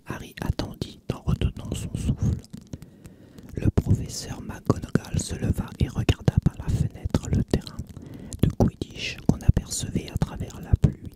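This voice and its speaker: A storybook reader narrating in a soft, steady whisper. The delivery stays calm and even throughout, in an audiobook style.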